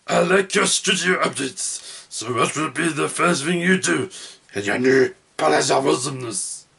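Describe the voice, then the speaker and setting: A man putting on an orc voice to read a question aloud, strained and loud. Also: on the high side, expressive, normal speed, vocal fry, husky, voice pushed up, exaggerated voice. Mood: gruff. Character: clumsy attempt at a male orc voice.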